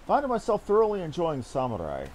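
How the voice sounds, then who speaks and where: A man's voice: a little high, huge pitch swings, fast, a little mellow. Casual male game streamer, blunt and offhand, salty commentary over game music. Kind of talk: casual live commentary while playing.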